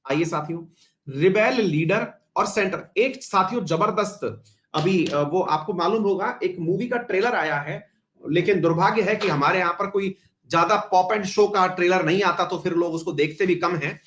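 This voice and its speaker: A man's voice: sits high, normal speed, fairly bright tone, slight background noise. A man teaching a history class online, chatty, putting questions to his students and drifting into side remarks, with English terms mixed into his talk. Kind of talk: online exam-prep class.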